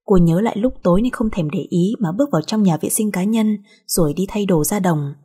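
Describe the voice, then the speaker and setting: A woman reading a short romance story aloud as the narrator, in a steady, even storytelling manner. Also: medium pitch, brisk, breathy edge.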